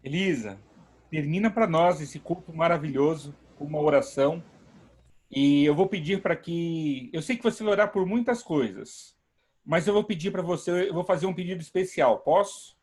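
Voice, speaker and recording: A man's voice: fairly high pitch, normal speed, darkish tone, breathy edge. A man, a pastor hosting an online service from home, speaking emphatically and praising God. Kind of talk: warm preaching talk.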